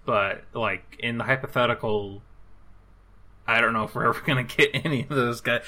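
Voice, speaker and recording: A man's voice: medium pitch, steady tone, normal speed, sharp tone. A young man in a casual podcast chat, rambling and laughing between his words.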